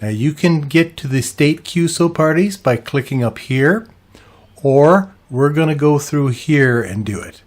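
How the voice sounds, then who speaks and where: A man narrating an instructional walkthrough as a video host, in a measured, explanatory way. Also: on the high side, lively intonation. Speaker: ham radio video host. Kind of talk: instructional narration, walking through a website.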